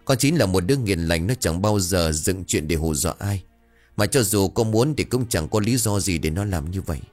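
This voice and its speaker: A man narrating a ghost story, reading it aloud in an expressive way and voicing the characters' dialogue. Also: deep voice, normal speed, faint music behind.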